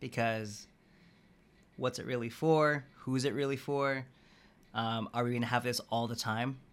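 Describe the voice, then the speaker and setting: Recorded very cleanly against a silent background, the voice carries an American accent. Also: man. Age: 20s. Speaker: podcast co-host. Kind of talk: casual chat. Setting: home studio.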